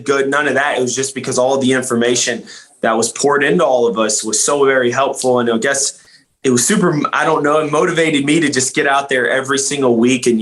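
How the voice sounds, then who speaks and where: An earnest young man speaks as a podcast guest, his voice sitting in a middle pitch. He rambles, restarts and leans on fillers as he talks. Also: a bit bright. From Louisiana. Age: young adult. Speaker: guest, insurance agent. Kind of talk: casual podcast interview.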